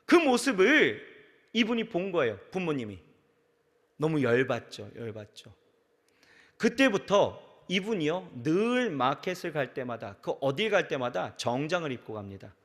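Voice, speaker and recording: A man's voice: on the high side, a little slow. A pastor preaching a sermon to his congregation, speaking right to them and acting out the voices of the people in his stories. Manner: animated preaching, acts out quoted voices, addresses congregation directly. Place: large church sanctuary. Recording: reverberant large church sanctuary.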